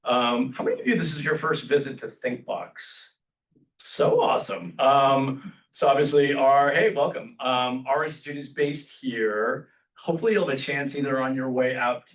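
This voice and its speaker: A man's voice: medium pitch, expressive, normal speed, fairly bright tone, distant mic, rough recording. A man hosting a roundtable, giving loose, conversational welcoming remarks with many fillers. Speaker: host and executive director. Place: meeting room around a table.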